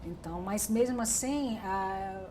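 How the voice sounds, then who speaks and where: Middle-aged woman, interviewee, reflective storyteller, mid-pitched, faint hiss in the room. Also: a little slow. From Brazil. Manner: reflective, with frequent restarts and fillers. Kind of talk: oral history interview.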